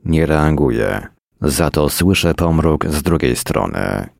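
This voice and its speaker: A man reading a first-person story in a weary, deadpan manner at a close mic. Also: very deep voice, takes it slowly, gravelly, no room sound. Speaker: narrator.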